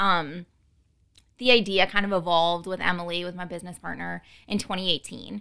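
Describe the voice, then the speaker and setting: Spoken with an American accent at a moderate pace, the bright, sharp voice keeps fairly even intonation, with big swings in loudness and long, frequent pauses on a very clean recording with a silent background. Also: woman, fairly low pitch for a woman. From New Orleans, Louisiana. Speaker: small business owner. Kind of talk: casual chat.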